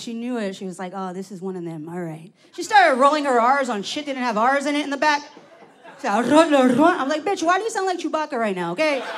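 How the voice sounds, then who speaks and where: Brief: high-pitched woman in her forties, loud and profane stand-up delivery. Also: slight background noise. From Los Angeles. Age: 40s. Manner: brash, profane, loud punchlines. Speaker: stand-up comic. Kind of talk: stand-up comedy set.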